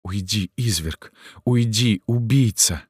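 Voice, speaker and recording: A man's voice: fairly low pitch, lively intonation, a little slow, a little mellow, slightly rough, no echo, studio quality, pitched above the performer's own voice. A man reading an audiobook, voicing a terrified, defiant young gypsy woman who cries out with trembling indignation. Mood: indignant.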